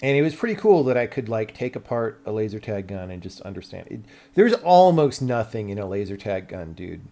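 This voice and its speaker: A man's voice: on the low side, big pitch swings, fairly quick, mellow. An American man chatting casually on a livestream, explaining tech and thinking aloud in an informal, rambling way. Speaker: live streamer.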